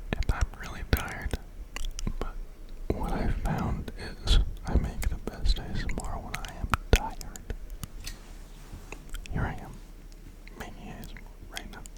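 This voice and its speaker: A man whispers at a moderate pace, with big swings in loudness and long, frequent pauses. Noticeable background noise can be heard. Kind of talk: ASMR ramble to camera. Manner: whispered, soft.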